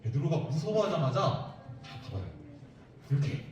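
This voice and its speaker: Animated man leading a children's sermon. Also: high-pitched, fairly quick, a little hiss or hum. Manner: animated, asks the children questions and repeats answers. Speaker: children's ministry preacher. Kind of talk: children's sermon with call-and-response questions. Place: church worship room. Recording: echoey room, mic at a distance.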